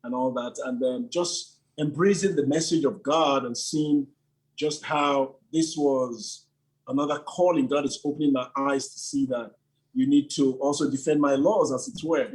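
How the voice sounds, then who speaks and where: A man's voice: a little high, darkish tone, low-quality recording. A middle-aged man, a church leader, telling his story with enthusiasm, sprinkling in "you know" and frequent laughs. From Nigeria. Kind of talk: animated interview answers.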